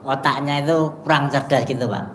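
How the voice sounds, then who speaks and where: A man's voice: medium pitch, steady tone, fairly quick, fairly bright tone, a little hiss or hum. Polite older man asking for advice. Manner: polite, brief replies, opens with Islamic greetings. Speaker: audience member asking for advice. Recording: echoey room with faint ambience.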